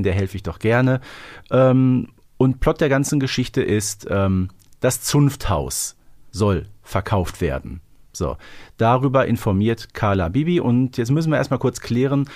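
A man's voice: mid-range voice, lively intonation, normal speed, a little mellow, no echo, clean studio sound. A man co-hosting a podcast, chatting casually as he explains a story. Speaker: podcast co-host. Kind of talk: casual chat recapping an episode.

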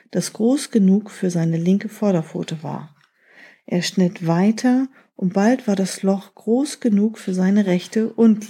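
A woman telling a children's tale in a slow, unhurried way, turning now and then to talk directly to the young listener. Her voice is mellow and softly husky. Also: mid-range voice. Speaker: storyteller. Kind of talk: reading a children's story aloud.

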